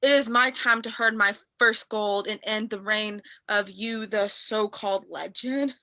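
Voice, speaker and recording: A woman acts out a young wrestling prince, full of threats and bragging. The voice is bright and forceful, at a middling pitch for a woman. The recording is dry, and it sounds like an amateur script read-through. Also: fairly even intonation, measured pace, no echo. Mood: menacing, boastful. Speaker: actor in a staged reading.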